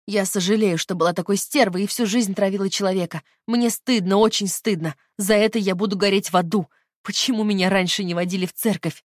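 Woman doing a shrill, childlike hypnotized woman. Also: fairly quick, no room sound, studio quality, lightly acted. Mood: remorseful.

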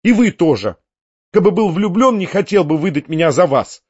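Guy reading an old novel as an audiobook, kinda high voice, dead dry muffled sound. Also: sing-song, darkish tone, husky, no echo. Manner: measured storytelling, voicing a flustered young man in first person. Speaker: audiobook narrator. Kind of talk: scripted narration of a classic novel. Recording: dull, muffled audiobook recording.

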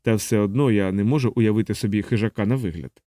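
A man's voice: fairly low pitch, quick pace, warm tone, dry recording, studio quality, natural voice. A man voicing a frightened, sarcastic human traveler in an audiobook. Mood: anxious. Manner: sarcastic, pleading.

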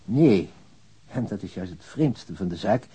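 An actor playing a precise, helpful bank official in a radio drama, explaining things in a formal manner. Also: male voice, sits low, animated, unhurried, mellow, breathy edge, full character voice. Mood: precise, businesslike.

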